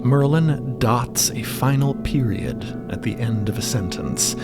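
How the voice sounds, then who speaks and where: A man's voice: medium pitch, a little slow. A man narrating a story podcast in a dramatic, playful, theatrical way with casual asides. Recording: loud music bed under voice. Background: loud music.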